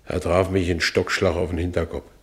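A man's voice: sits low, little pitch movement, fairly quick, fairly bright tone. An actor playing a battered, one-armed ex-convict who tells his own story in a radio play, wry and blunt, in German-accented speech. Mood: grim, wry. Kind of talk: first-person radio play narration.

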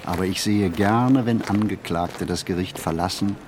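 A man reads a reflective literary monologue for a radio play, phrasing deliberately and expressively with pauses. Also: low voice, background noise.

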